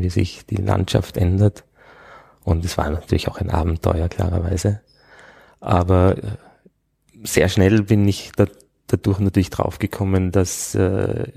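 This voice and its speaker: Man, low gravelly voice, dark and husky, measured interviewee pace with fillers. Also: no echo. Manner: thoughtful, hesitant with frequent fillers. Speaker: interviewee, Arabic scholar. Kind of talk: conversational interview.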